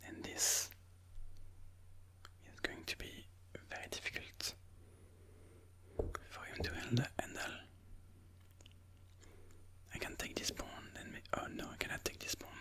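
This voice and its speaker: A person whispering ASMR game commentary in a breathy, mostly unvoiced voice, slowly and soothingly thinking aloud. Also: sharp tone. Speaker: ASMR chess video host.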